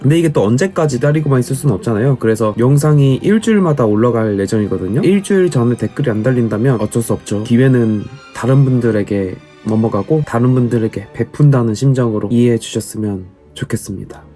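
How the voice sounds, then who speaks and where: A man's voice: medium pitch, fast, hardly any pauses, dark tone, faint music behind. A man in his thirties, a YouTuber, chatting casually and reading viewer comments with self-deprecating jokes. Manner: self-deprecating, joking asides. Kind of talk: casual vlog chat.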